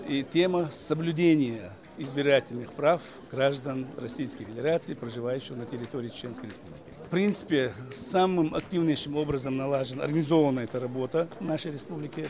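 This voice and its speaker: A man's voice: mid-range voice, darkish tone. A man, an official, giving hesitant, formal remarks with many fillers. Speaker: official speaking at a meeting. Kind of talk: impromptu remarks to a reporter.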